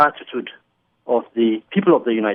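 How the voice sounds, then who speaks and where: With an Eritrean accent, the speaker uses lively intonation at a moderate pace. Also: man. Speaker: author. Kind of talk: radio interview. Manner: hesitant, with fillers.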